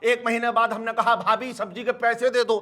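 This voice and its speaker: A whiny village vegetable seller. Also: male voice, extremely high pitch, little pitch movement, fairly quick, pushed and bright. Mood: complaining. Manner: sing-song complaining, swears by vegetables. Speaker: complainant at a police station. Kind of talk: sitcom acting.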